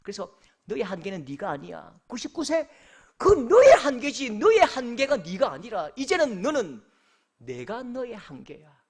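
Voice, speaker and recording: A man's voice: high-pitched, moderate pace, creaky, slightly rough. A middle-aged man, a pastor, preaching a sermon and telling stories, acting out the voices of the people in them. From Korea. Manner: animated storytelling, acts out voices of the people in his stories.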